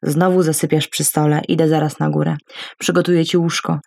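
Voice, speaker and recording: A woman reading a gentle older husband. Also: sits low, little pitch movement, fairly quick, vocal fry, no room sound, clean studio sound. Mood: caring. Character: gentle, patient older husband caring for his wife.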